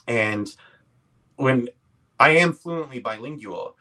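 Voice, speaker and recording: A Canadian man in his forties chats as a guest, with a voice of ordinary middle pitch. He tells his stories casually and loosely, poking fun at himself as he goes. It has the easy flow of a conversational interview. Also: expressive, takes it slowly, bright, forceful tone. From Quebec, Canada. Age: 40s. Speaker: podcast guest, comedy actor and writer.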